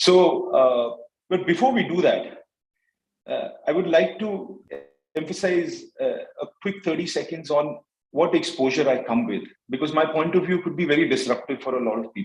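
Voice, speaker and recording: A man is talking at a moderate pace. Background music plays under his voice. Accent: Indian. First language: Hindi. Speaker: HR professional, conference speaker. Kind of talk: conference panel talk. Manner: code-switching English and Hindi; many fillers, hesitant.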